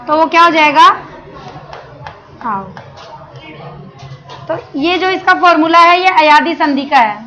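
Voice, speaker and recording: A woman's voice: very high-pitched, pushed and bright. A woman teaching Hindi grammar to a class with a Rajasthani Hindi accent, explaining step by step, mixing in English words and asking questions she answers herself. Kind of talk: classroom lesson.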